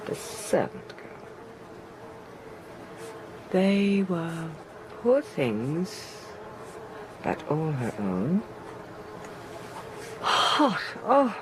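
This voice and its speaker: A woman's voice: on the low side, sing-song, drawn-out words, long pauses, noisy background, full character voice. Genteel, brittle lady, swooping intonation. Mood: dreamy, eerie. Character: lady of the house, genteel, lonely, brittle and insistent. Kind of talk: BBC radio horror play acting.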